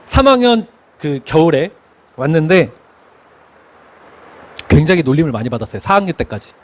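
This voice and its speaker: Lively high-voiced Korean pastor preaching. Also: male voice, moderate pace. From Chungcheong, Korea. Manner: expressive preaching, sings hymn lines, laughs while telling stories. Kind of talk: sermon.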